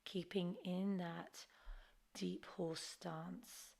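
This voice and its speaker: Slow, creaky-voiced woman teaching yoga. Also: fairly low pitch, little pitch movement. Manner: gentle, encouraging, unforced guidance. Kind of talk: guided Kundalini yoga class instruction.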